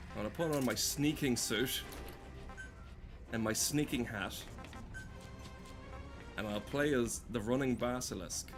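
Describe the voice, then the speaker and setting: A man casually streaming a game, rambling and swearing with dry, joking commentary. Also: medium pitch.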